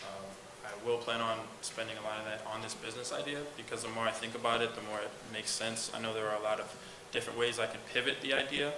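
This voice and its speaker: Fast, flat-toned young man, echoey room. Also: on the low side. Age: young adult. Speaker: student contestant answering judges' questions. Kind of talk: unscripted question-and-answer. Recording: roomy, echoey, clearly noisy live recording.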